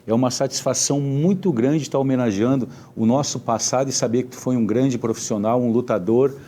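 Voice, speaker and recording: A man with a Gaúcho Brazilian accent hosting a live talk show, speaking haltingly with frequent tag questions. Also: medium pitch, mellow. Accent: Gaúcho Brazilian Portuguese. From Porto Alegre region, southern Brazil. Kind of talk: casual live interview.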